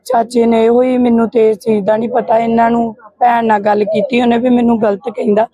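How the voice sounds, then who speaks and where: A woman's voice: fairly high pitch, little pitch movement, brisk, dark tone, husky, no echo, clean studio sound. A Punjabi woman, the victim's aunt, answering a reporter and steadily recounting phone calls. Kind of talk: interview answers.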